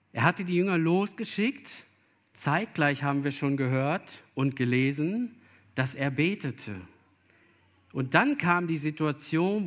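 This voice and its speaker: A man preaching with a deliberate, unhurried delivery. He speaks earnestly and turns straight to his young listeners. His voice sits at an ordinary middle pitch. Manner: earnest, addresses listeners directly. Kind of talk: sermon to children or youth.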